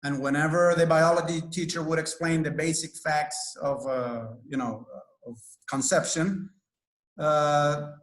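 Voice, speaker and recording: A man's voice: on the high side, steady tone, a little slow. Skeptical man from Venezuela, echoey room. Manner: skeptical, storytelling, laughs while questioning. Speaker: interviewer. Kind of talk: conversational interview.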